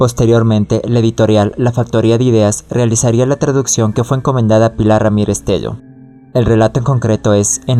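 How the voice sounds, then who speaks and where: Over music in the background, a man with a medium pitch speaks at a moderate pace, with very even loudness and ordinary pitch variation. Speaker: horror story narrator. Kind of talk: audiobook horror story narration.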